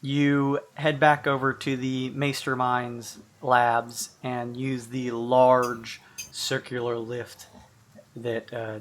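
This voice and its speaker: A man's voice: medium pitch, creaky, slight background noise. A man narrating a tabletop game as game master, in hesitant, improvised phrasing.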